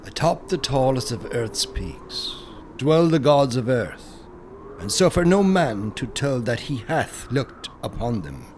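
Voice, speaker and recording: Man narrating horror, measured and solemn, noisy backdrop. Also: mid-range voice, very animated, darkish tone. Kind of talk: scripted audiobook narration.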